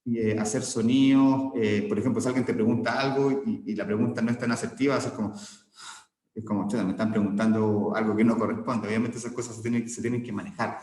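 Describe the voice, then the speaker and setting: A man's voice: mid-range voice, steady tone, quick pace, a little mellow. A man gives an online lecture, explaining patiently and checking in with the listeners. His mid-range voice rings in a bare, echoey room with a long reverb tail. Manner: explanatory, frequent "¿ya?" check-ins and restarts. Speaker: teacher.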